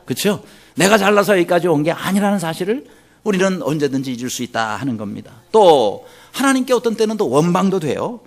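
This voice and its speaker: Male pastor preaching, high lively voice, asks the congregation questions. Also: creaky. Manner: acts out anguished quoted pleas in a raised voice. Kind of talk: sermon.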